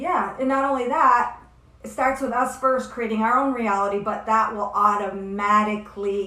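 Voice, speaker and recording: A woman speaks in an animated tone at a fairly high pitch, with audible echo from the room. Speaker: spiritual teacher. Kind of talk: casual chat. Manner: loud.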